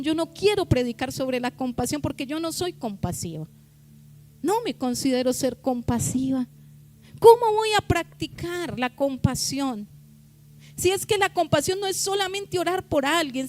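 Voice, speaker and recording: A woman pastor preaching a sermon with passion, stretching out key words for emphasis. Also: very high-pitched. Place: church.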